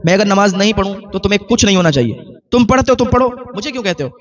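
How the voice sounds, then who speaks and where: A man's voice: high voice, expressive, rapid-fire. A man voicing a defiant young wife who mockingly brushes off her husband, in a raised voice, recorded muffled from a distance. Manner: mocking, dismissive retorts.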